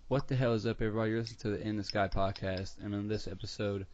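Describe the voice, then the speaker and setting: A man's voice: on the low side, level tone, very fast, a little mellow, lo-fi sound, a little hiss or hum. A young man hosting a podcast, asking questions in an easygoing way full of filler words. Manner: lots of "like" and "um", easygoing. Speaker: podcast host. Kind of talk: casual interview chat.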